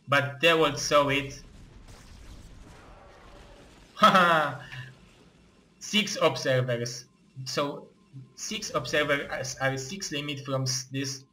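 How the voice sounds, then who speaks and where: A man with a Russian accent casting a live strategy game tournament, excitable, with halting non-native phrasing. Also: a little high, poor audio. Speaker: esports caster and tournament host.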